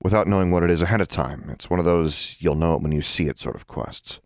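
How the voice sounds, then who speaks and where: A man's voice: deep voice, fast talker, a little mellow, no echo, clean studio sound. A man voicing a bold, independent young witch girl in a matter-of-fact way for a storybook. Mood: breezy.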